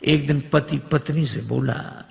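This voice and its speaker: Gravelly preacher in a reverberant hall. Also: male voice, mid-range voice. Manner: lively storyteller, sings verses slowly. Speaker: spiritual preacher. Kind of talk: humorous devotional storytelling.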